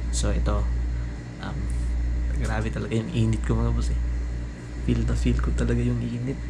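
Noticeable background noise sits behind words delivered at a moderate pace. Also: man. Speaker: vlogger. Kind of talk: casual vlog chat. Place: kitchen. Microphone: phone near.

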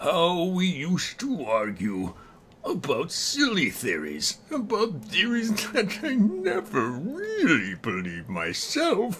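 A man puts on a high-pitched character voice and speaks at a fairly slow pace. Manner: gloating, sneering.

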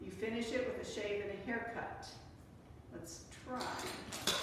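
A woman's voice amid noticeable background noise and strong room echo. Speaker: dance teacher. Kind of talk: tutorial. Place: hall. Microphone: camera far.

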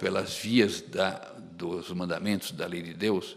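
A man speaks at a very slow pace. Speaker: priest. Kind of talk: sermon. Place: church. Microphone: podium.

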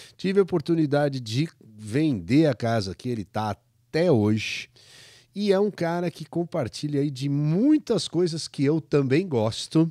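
In a very clean recording with a silent background and a dry, close sound with no echo, a man with a fairly high pitch and a dark, mellow tone speaks fairly slowly with lively intonation. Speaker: real estate broker and podcast host. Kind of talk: casual interview chat. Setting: office studio.

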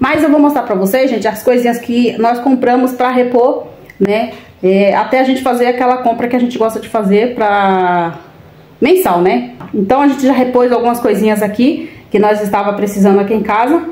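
Her pitch is high, and it varies in an ordinary way. The woman talks at a moderate pace, and room echo can be heard. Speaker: home vlogger. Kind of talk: casual vlog chat. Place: kitchen. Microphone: phone near.

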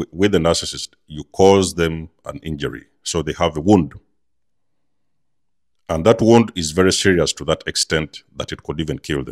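Vocal fry runs through a man's very deep, low voice, which has ordinary pitch variation. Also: quiet background. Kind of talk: casual vlog chat. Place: home room. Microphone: lapel.

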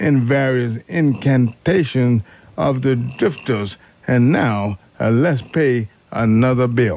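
In an American accent, the speech comes at a very slow pace with very even loudness and a dry sound with no echo. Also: man, medium pitch for a man, ordinary pitch variation. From Florida. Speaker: radio DJ, R&B oldies host. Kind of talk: radio DJ chatter, oldies show. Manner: awkward, rambling, fumbling. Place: studio.

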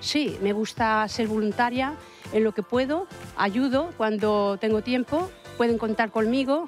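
Faint music plays behind a woman who speaks at a fairly slow pace with fairly high pitch and ordinary pitch variation. Her loudness stays very even, and the sound is dry with no echo. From León, Spain. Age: 70s. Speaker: veteran discus thrower. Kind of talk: interview answer. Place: stadium. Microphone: handheld.

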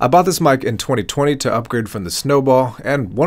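A man speaks at a fairly quick pace with lively intonation against a quiet background. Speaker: tech reviewer. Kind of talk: product review commentary. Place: home room. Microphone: studio mic.

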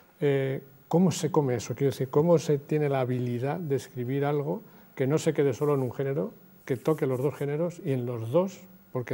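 A man's dark, mellow voice at a very fast pace. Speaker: panelist. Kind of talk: studio panel discussion. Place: studio. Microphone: lapel.

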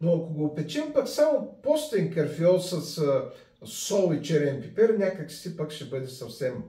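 In a Varna accent, a man speaks at a fairly slow pace with a high pitch and lively intonation. His loudness swings widely, and the room echo is audible. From Bulgaria, Varna. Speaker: cooking YouTuber. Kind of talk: cooking tutorial. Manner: hesitant, many fillers.

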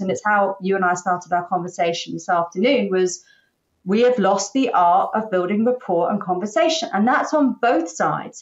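Against a quiet background, a woman with a southern English accent speaks at a moderate pace with lively intonation. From England. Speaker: business consultant; podcast guest. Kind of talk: interview. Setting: video call. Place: home room. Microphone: webcam.

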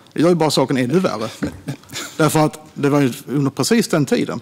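A man speaks with ordinary pitch variation. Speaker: politician, justice minister. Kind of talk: parliamentary debate speech. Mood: irritated, argumentative. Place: hall. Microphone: podium.

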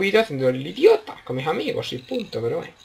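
Speaking at a fairly quick pace, a man talks. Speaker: gaming youtuber. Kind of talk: gameplay commentary. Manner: animated.

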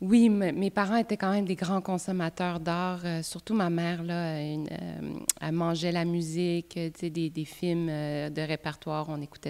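A woman speaks in an ordinary speaking voice, fairly low in pitch, at a fairly slow pace with fairly even intonation and hardly any pauses. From Quebec, Outaouais (Gatineau), partly Brittany. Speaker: visual artist and filmmaker. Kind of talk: casual interview. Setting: artist's studio.

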